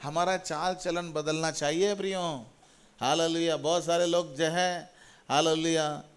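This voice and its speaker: With a slightly high, clear and resonant voice, this middle-aged man preaches to his congregation at a slightly slow pace and a steady tone. As a pastor he exhorts, repeats phrases and calls out hallelujah.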